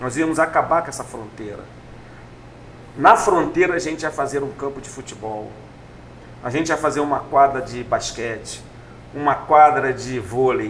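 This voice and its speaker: Amid noticeable background noise, a man speaks at a fairly high pitch and moderate pace, with ordinary pitch variation, big swings in loudness and long, frequent pauses. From Rio de Janeiro, Brazil. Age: 60s. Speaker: community leader and activist. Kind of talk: interview. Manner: animated.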